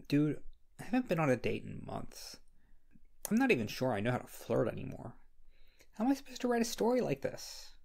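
Man acting a shy, husky, creaky-voiced friend. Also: on the high side, wildly swooping pitch, darkish tone, heavily acted. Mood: anxious. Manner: hesitant, halting. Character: shy, flustered, insecure young male scriptwriter friend. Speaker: audio roleplay performer. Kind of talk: ASMR roleplay, intimate one-sided dialogue.

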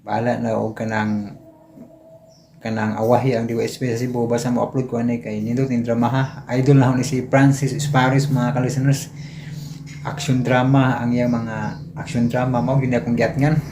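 A Cebuano-accented man hosts a casual vlog in an average-pitched voice. He talks informally and repetitively, often ending phrases with a checking tag. There is a slight background noise in the amateur recording. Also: flat delivery, moderate pace, a little mellow. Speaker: vlog host introducing radio dramas.

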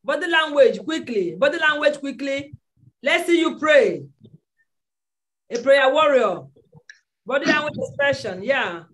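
A woman's voice: high-pitched, animated, unhurried, long pauses, fairly bright tone, rough recording. A Nigerian-accented woman coaching an online acting class, giving commanding instructions and repeating her orders. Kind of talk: directing students in an online audition class. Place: indoor room, on a video call. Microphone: video call microphone.

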